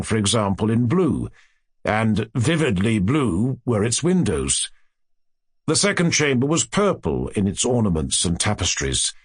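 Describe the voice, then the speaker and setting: A man's voice: medium pitch, no echo. Man narrating with sweeping, dramatic intonation. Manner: measured, theatrical storytelling with careful phrasing. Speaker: audiobook narrator. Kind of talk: dramatic literary horror narration.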